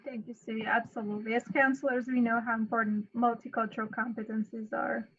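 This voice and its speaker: A woman's voice: on the high side, level tone, a little fast, fairly bright tone, breathy edge, muffled recording. A woman presenting an online seminar as a counselor, addressing listeners directly in an instructive way, over thin call audio.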